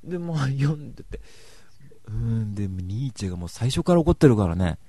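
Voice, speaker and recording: A man's voice: mid-range voice, animated, fairly quick, dark tone, dry recording. A man giving a casual, rambling book review, wry and self-mocking.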